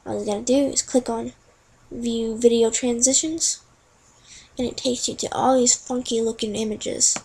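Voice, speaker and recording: Young woman, breathy and fairly high, casual screen-recording tutorial, talks through her clicks. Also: fairly even intonation, normal speed, a little mellow, low-quality recording. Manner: chatty, talks through each click as she goes. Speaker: tutorial narrator.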